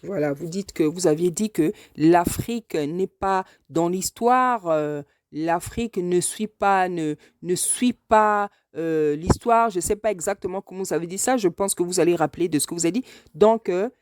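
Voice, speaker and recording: A woman from France records an earnest, unscripted video message to a politician, speaking hesitantly and often repeating phrases for emphasis. Her voice is fairly low and a little mellow, at a moderate pace. The studio-quality recording has no room sound.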